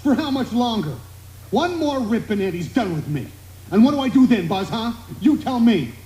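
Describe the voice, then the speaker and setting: A man playing an earnest, excitable cowboy sheriff toy in an animated film, with an American accent and a pleading, emphatic delivery. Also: very high-pitched, moderate pace, reverberant, low-quality recording. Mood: defensive, downcast.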